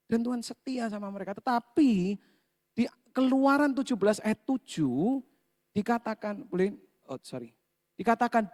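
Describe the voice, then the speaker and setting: High-voiced male preacher in a reverberant hall. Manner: storytelling with questions to the congregation, acting out grumbling crowds. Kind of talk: sermon. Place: church hall.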